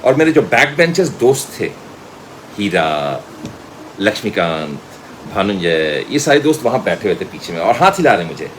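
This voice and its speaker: A middle-aged man with an Indian accent gives an informal lecture, telling personal anecdotes in an animated way and mixing in English phrases. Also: lowish voice, moderate pace, slight background noise. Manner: animated storyteller, acts out dialogue, mixes in English phrases. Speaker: media school director and voice trainer.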